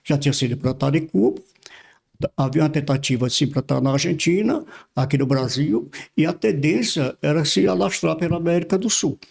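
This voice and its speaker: Gravelly older pastor. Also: male voice, fairly high pitch, darkish tone. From Brazil. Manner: halting, repeats words while recalling. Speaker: pastor, podcast guest. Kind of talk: casual interview storytelling.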